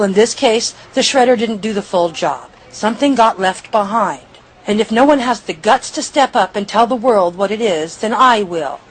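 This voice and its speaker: A woman playing an indignant, defiant reporter with a husky voice and an emphatic, combative delivery in an audio drama. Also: a little high, a little hiss or hum, lightly acted, rough recording. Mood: resolute. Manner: emphatic, combative, rhetorical questioning. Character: indignant, defiant female news reporter fighting for the truth.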